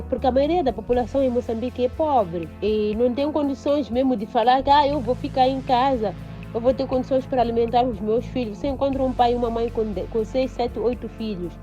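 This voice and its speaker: A woman's voice: fairly high pitch, fairly quick, mellow, faint music behind. A woman explaining in an interview, on dull audio.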